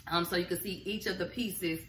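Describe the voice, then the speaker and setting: A woman's voice: fairly low pitch, fairly quick. A middle-aged woman talking casually to camera in her home kitchen, chatty and encouraging. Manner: chatty, encouraging, animated with hands. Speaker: vlogger. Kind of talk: casual vlog talk to camera. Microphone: camera in front at arm's length. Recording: roomy kitchen, faint background noise.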